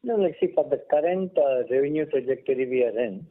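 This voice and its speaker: A man with an Indian accent answering analysts as a company executive on an earnings call, explaining in a halting way. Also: medium pitch, animated. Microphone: telephone conference line. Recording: muffled phone-line conference call audio.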